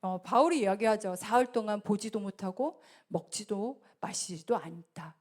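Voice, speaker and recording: A woman preaching a sermon in a church, earnest and swelling louder then dropping soft. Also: mid-range voice. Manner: earnest, rises and falls in loudness. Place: church sanctuary.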